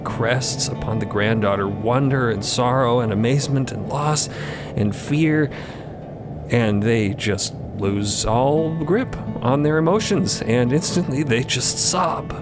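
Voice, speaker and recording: A man narrating scripted audio fiction dramatically, with hushed, halting, deliberate phrasing. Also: medium pitch. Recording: prominent music bed under the voice. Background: music.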